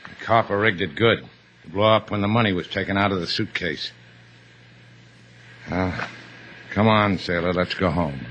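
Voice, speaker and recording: An actor playing a tough, laconic American adventurer, wry and world-weary, in a vintage radio drama. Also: male voice, low voice, normal speed, long pauses, lightly acted. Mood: weary, dry. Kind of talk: 1950s radio drama acting. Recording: noisy vintage 1950s radio recording.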